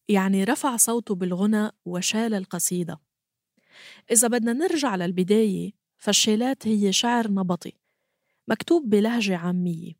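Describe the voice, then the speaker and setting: A woman hosting a podcast, narrating from a script in a calm, explanatory way. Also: mid-range voice, dry recording, clean studio sound. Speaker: podcast host.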